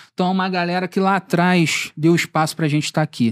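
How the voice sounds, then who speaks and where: A man speaks in a Rio de Janeiro accent with fairly even intonation. The recording is very clean, with a silent background. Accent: carioca (Rio de Janeiro). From Brazil, Rio de Janeiro (Campo Grande). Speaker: diabetes patient advocate. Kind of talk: casual chat.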